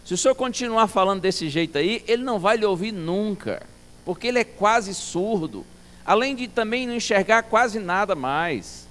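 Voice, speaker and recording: A man's voice: sits high, animated, moderate pace, fairly bright tone, in a large hall, pitched above the performer's own voice. A man doing a cheerful, insistent church lady. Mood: coaxing. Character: kindly older churchwoman caring for a patient.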